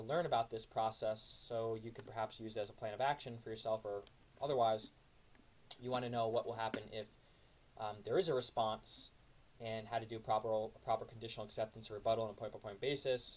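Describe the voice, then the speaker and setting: Fairly even in intonation, a man talks at a medium pitch. His pace is very fast. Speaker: legal process educator. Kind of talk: tutorial. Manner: hesitant with many fillers.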